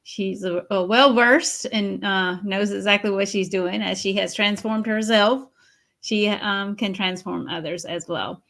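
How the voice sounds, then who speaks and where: Woman host, mid pitch, gravelly edge, upbeat and repetitive. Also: steady tone, a little slow, a bit bright. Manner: enthusiastic, repeats "awesome". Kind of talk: casual interview hosting.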